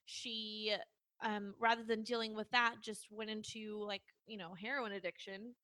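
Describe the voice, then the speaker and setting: A woman's voice: medium pitch, little pitch movement, moderate pace, pushed and bright, dry recording. A woman co-hosting a podcast, chatting casually about movies with playful teasing and the odd swear word. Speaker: podcast co-host.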